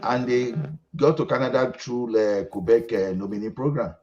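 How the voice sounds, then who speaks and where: A man's voice: medium pitch, normal speed, darkish tone, a little hiss or hum. A Nigerian man hosting a casual group chat, often repeating words as he starts a sentence. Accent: Nigerian English. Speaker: host. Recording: dull lo-fi audio.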